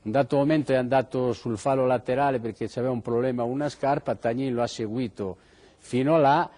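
A man's voice: medium pitch, steady tone, fairly quick, warm tone. A man, a football veteran, telling anecdotes from memory in an interview. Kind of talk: anecdotal reminiscence.

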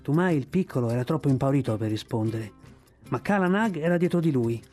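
A man reading a novel aloud in steady, measured narration. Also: mid-range voice, faint music behind. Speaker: reader.

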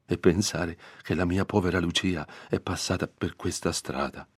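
A simple peasant mother, as a man reads her in a storybook, plaintive and artless. She is voiced low and husky, close to the reader's own deep tone, in a dry close recording. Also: steady tone, moderate pace, dry recording.

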